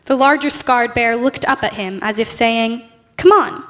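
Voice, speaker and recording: A teenage girl narrating a radio play as a deliberate storyteller, recorded live on stage. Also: fairly high pitch, a bit bright.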